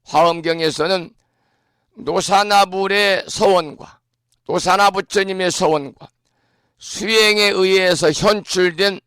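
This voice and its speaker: Man, Buddhist monk, hoarse from a cold, measured teaching talk, dry close sound. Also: high-pitched, steady tone, a bit bright, no room sound. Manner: clears his throat often; slow, measured teaching delivery. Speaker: Buddhist monk giving a morning broadcast talk. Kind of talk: dharma talk explaining scripture.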